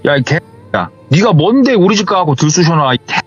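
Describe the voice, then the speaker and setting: A man's voice: fairly high pitch, very animated, fairly quick, slightly rough, voice pushed up. A man doing a furious foul-mouthed young guy. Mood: angry cursing. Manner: snapping, cursing. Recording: muffled, with faint music.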